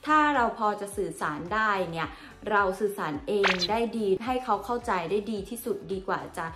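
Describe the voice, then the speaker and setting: A woman telling a travel story in a chatty, animated vlog style, laughing at herself at times. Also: medium pitch, fairly quick. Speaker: vlogger. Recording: roomy echo, faint music.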